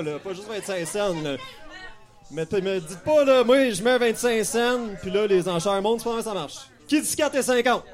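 A man with a Quebec French accent running a joking live auction, chanting bids and laughing at his own jokes. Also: high voice. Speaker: auctioneer and event host.

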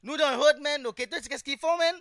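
On stage before a live audience, a man with a Québécois French accent performs stand-up comedy in street slang, throwing "man" into every line and quizzing the crowd. His very high voice is fast and a bit bright, in a dry, studio-quality recording.

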